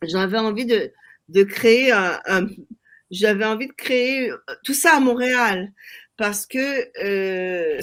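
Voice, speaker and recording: A woman speaks at a very slow pace. Her pauses are long and frequent. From Quebec, Montreal. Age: 60s. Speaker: novelist. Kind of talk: interview. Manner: halting, many repetitions.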